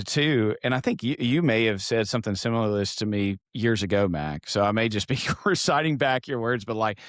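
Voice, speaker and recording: Low-voiced affirming man hosting. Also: no echo, clean studio sound. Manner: affirming, frequent agreeing murmurs. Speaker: podcast host, church ministry leader. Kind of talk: conversational podcast interview.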